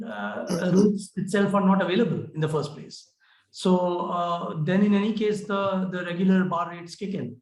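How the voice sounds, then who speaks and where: A man with an Indian accent answering questions as a company executive on an earnings call, explaining in a measured, hesitant way. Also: high voice, a little mellow. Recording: roomy, echoing conference call.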